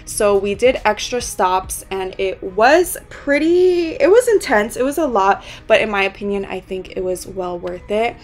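A young woman in her twenties talks through a travel vlog in an easy, chatty way. Her voice is hoarse and worn, and she rambles on, slipping small laughs in between her phrases. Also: mid-range voice, expressive, a little slow, few pauses. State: hoarse, lost voice. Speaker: travel vlogger. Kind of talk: casual vlog voice-over and to-camera talk.

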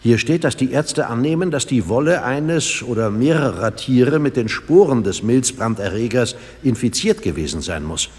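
Gruff detective, very animated pitch. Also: male voice, normal speed, hardly any pauses. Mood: intent, businesslike. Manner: gruff, businesslike. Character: stern, dutiful male police detective. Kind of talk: German audio drama acting. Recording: reverberant sound with background noise.

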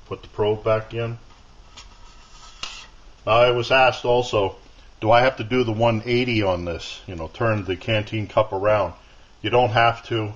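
A man with a fairly low voice talks through a demonstration step by step in a plain, unhurried way. He is at a workbench in a home workshop, caught by the camera's own mic off screen. The sound is dull and lo-fi. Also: fairly even intonation. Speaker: outdoor gear video maker. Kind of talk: casual hands-on demonstration.

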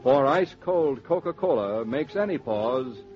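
Smooth male announcer for sponsor spots, middle pitch, soft music under, old radio sound. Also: animated, a little slow. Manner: smooth, polished ad delivery. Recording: dull 1940s radio transcription with music.

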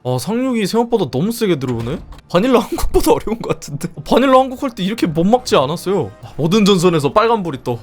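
A man's voice: high voice, big pitch swings, quick pace, hardly any pauses, faint music behind. A young man commenting on a strategy game as a streamer, exclaiming and swearing casually.

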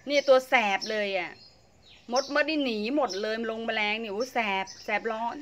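A woman's voice: fairly high pitch, normal speed. A woman talks her way around her home vegetable garden in a casual, chatty way, often exclaiming over what she finds. She is outdoors, with faint background noise and birds chirping around her. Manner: chatty, exclaims and laughs while showing plants. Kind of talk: casual garden tour vlog.

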